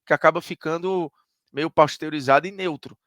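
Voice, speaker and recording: A man's voice: on the high side, normal speed, fairly bright tone, no echo, studio quality. A man from Ceará with a Northeastern Brazilian accent, a sports commentator giving an emphatic, conversational opinion monologue that argues point by point.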